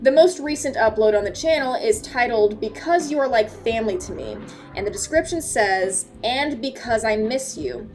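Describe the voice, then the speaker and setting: A woman's voice: a little high, moderate pace, hardly any pauses, darkish tone. A woman giving casual, joking video-essay commentary with a sarcastic, slangy delivery and mock-dramatic asides. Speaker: host of an analog horror analysis video. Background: background music.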